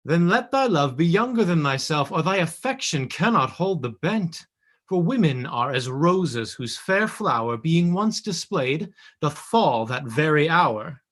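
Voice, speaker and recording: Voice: mid-range voice, sing-song, measured pace, a bit bright. An actor playing a lovesick, moody nobleman in a Shakespeare stage scene, speaking heightened verse over a video call from home. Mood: intent, opinionated. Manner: heightened verse delivery with audible gasps. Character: lovesick nobleman, ardent, moody, musing on love. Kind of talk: classical Shakespearean stage acting.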